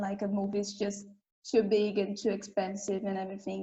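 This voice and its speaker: Speaking at a moderate pace with an Portuguese accent, a woman has a dark, mellow tone, a medium pitch and a somewhat breathy quality. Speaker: film director. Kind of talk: Q&A panel. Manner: halting.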